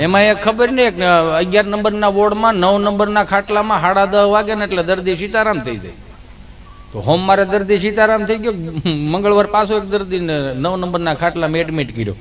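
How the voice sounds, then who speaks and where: A man's voice: high-pitched, a little fast. A man, a stand-up comedian telling rambling comic stories. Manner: lively, rambling joke-telling. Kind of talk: folk comedy storytelling.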